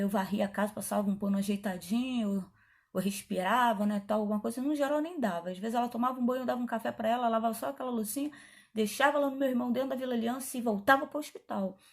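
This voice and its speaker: A middle-aged woman pastor, telling her testimony in a chatty, animated way, acting out the dialogue as she goes. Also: fairly high pitch, fast. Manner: animated, chatty, frequent asides and quoted dialogue. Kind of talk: testimony storytelling.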